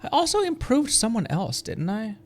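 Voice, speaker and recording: A man's voice: high voice, huge pitch swings, moderate pace. A man chatting casually as he hosts a gaming livestream, rambling in loose asides. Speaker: streamer and channel host.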